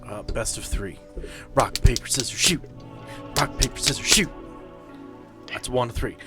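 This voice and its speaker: A man's voice: medium pitch, a little slow. Joking man at a game table, music underneath. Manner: sweary, joking. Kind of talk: casual banter among players. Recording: faint music behind. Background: faint background music.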